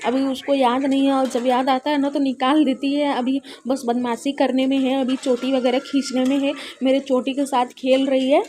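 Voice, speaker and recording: Young woman, high voice, easy home-vlog chatter with frequent laughs, phone mic indoors. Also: little pitch movement, moderate pace, hardly any pauses, darkish tone, slight background noise. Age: young adult. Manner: chatty, laughs often while talking. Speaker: vlogger. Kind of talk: casual home vlog chat.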